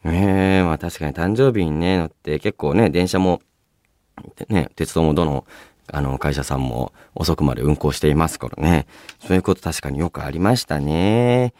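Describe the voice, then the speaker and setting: A man hosting a radio show, chatting and reading listener mail in a polite, expressive manner. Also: a bass voice, moderate pace, no echo, studio quality. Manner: polite, expressive, often breaking into laughter. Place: radio studio. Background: background music.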